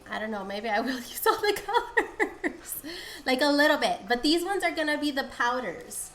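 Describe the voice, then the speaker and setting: A woman streamer with a higher voice, sounding stuffed-up and nasal from a lingering cold. She explains her crafting steps in a chatty, meandering way. The room is echoey, with a faint hiss behind her. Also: sing-song, moderate pace, a bit bright. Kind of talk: casual live-stream dyeing tutorial.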